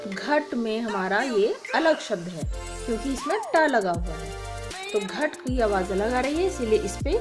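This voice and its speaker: A woman teacher giving a slow, patient primary school Hindi lesson, spelling words out letter by letter. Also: on the high side, animated, over music.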